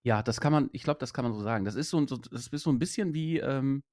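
A man's voice: medium pitch, quick pace, a little mellow, dry recording. A man in his forties from the Ruhr area, a driving instructor who is the guest of a casual chat, talkative and full of dry sarcastic jokes. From Ruhr area, Germany. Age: 40s.

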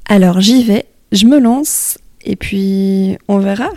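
A woman's voice: mid-range voice, takes it slowly, mellow. A young woman from Wallonia, talking informally and spontaneously as the host of a solo podcast. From Wallonia, Belgium. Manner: informal, conversational, unscripted.

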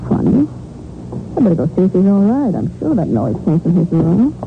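A woman's voice: fairly low pitch, very animated, brisk, vocal fry. A woman playing a homely middle-aged small-town mother and landlady in a 1940s radio drama. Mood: uneasy, calling out. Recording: noisy, narrow-band 1940s radio recording.

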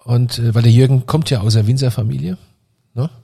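A man's voice: mid-range voice, brisk, gravelly, warm tone, breathy edge. A Belgian-accented man from Belgium hosting a wine bar chat, jovial and joking. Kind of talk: casual chat.

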